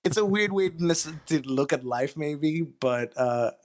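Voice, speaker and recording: A man's voice: fairly high pitch, lively intonation, measured pace. Hesitant male writer chatting casually. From Greece. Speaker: guest writer of audio horror stories. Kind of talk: casual interview chat.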